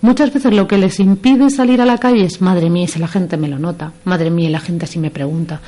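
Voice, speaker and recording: Woman psychologist, rapid and mellow delivery, explanatory radio guest. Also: lowish voice. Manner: explanatory, gives examples with quoted phrases. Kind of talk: radio talk-show discussion. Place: radio studio.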